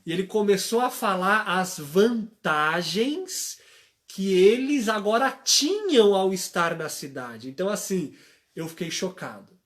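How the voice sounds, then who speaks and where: A man's voice: sits high, animated, measured pace, fairly bright tone. A young man, a church worker, giving a religious testimony on a live stream, telling stories and asking rhetorical questions like a preacher. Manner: storytelling, acts out quoted voices.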